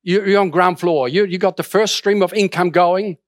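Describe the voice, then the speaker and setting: A man's voice: sits high, fairly even intonation, moderate pace, no room sound, studio quality. A middle-aged man from Austria preaching a sermon in a conversational way, with many restarts and fillers. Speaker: pastor.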